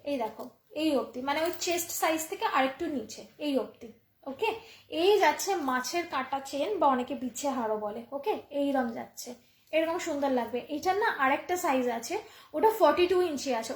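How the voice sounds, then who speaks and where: A high-pitched woman with a Bengali accent talks her viewers through one piece of jewellery after another, repeating each price in a chatty, friendly way. She is filmed on a phone at home, and her voice carries a roomy echo. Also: pushed and bright. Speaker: online jewellery seller. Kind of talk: live selling stream. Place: home room. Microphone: phone camera. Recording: echoey room.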